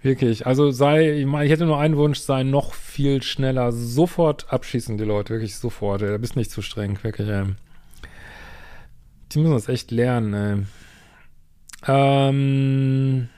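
A man's voice: mid-range voice, steady tone, a little slow, warm tone, clean tone. Sarcastic German man reading a letter. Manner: sarcastic, exasperated asides with frequent "ey". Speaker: couples therapist and podcast host. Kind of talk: reading a viewer's email aloud with commentary.

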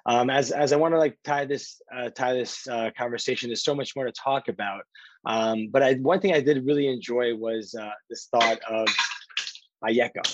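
A man hosting a podcast, speaking casually with many fillers and warm affirmations. His voice sits at an average pitch, and the recording is dry and somewhat muffled. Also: normal speed, dry recording. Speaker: podcast host. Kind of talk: podcast interview conversation.

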